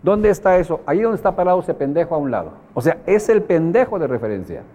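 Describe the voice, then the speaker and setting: A man's voice: on the high side, big pitch swings, fast, warm tone. A man with a Mexican accent giving a motivational seminar talk to a group. He speaks colloquially and emphatically, repeats phrases for effect and puts questions to his audience.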